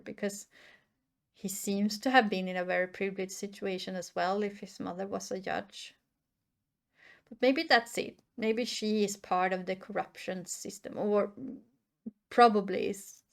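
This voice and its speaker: Scandi-woman rambling slowly thru a show reaction, stops and restarts a lot. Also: mid-range voice. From Sweden or Norway. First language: Swedish and Norwegian. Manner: thinking aloud, hesitant, many restarts and fillers. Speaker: reaction channel host. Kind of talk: casual reaction commentary.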